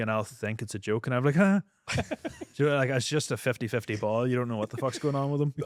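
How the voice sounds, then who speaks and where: On a very clean recording with a silent background, a man talks with an Irish accent. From Ireland. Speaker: podcast co-host. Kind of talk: casual chat. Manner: hard to understand.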